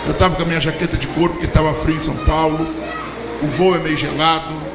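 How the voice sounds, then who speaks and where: A man's voice: a little high, quick pace. A man in his forties with a Brazilian Portuguese accent, preaching a sermon on a handheld mic and telling stories with humor. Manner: preaching with storytelling and humor, hand-held mic, animated gestures. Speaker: pastor. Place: large church hall with a packed congregation. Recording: echoey hall with crowd hum.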